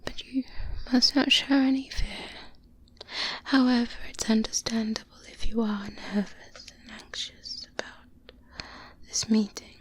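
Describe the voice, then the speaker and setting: A woman playing a seasoned, guarded vampire hunter mentor in an ASMR roleplay, speaking in a breathy whisper with measured, deliberate pauses, close to a binaural mic. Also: on the high side, fairly even intonation, rough recording. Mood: cautioning, reassuring. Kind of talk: soft-spoken ASMR roleplay monologue. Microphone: close-up binaural microphone.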